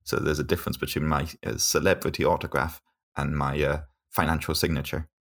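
A man with a deep voice, co-hosting a podcast in casual chat and laughing often as he jokes. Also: flat delivery, a little fast, a bit bright. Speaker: podcast co-host.

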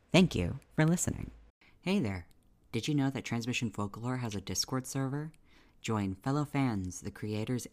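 A man reading scripted podcast announcements as the show's producer and announcer. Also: medium pitch.

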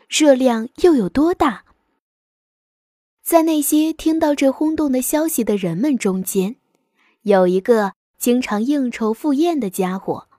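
A woman's voice: fairly high pitch, darkish tone, no echo, clean studio sound. A woman hosting a children's show, telling a fireside bedtime story expressively and speaking directly to young listeners.

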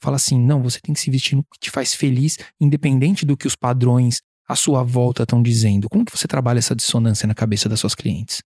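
A man's voice: medium pitch, steady tone, fast talker, hardly any pauses, a little mellow, no echo, studio quality. A man hosting an interview who asks long, thoughtful questions and chats with his guest. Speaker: interview host.

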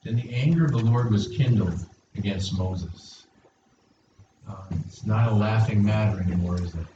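Recorded dull and muffled from the back of a highly reverberant church sanctuary, with slight background noise, a male pastor delivers his sermon in a lowish, dark voice at normal speed. He keeps listeners involved, posing questions and asking them to answer.

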